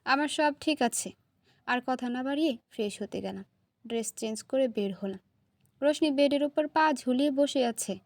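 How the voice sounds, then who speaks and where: Woman storyteller, high-pitched, expressive first-person reading, dry sound. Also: brisk, no room sound.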